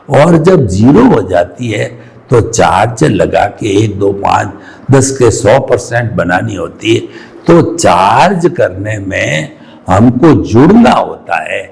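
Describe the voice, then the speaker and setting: Slow, gravelly-voiced male spiritual teacher. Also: medium pitch, darkish tone, low-quality recording. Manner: explanatory, emphatic, everyday analogies. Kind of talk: spiritual discourse.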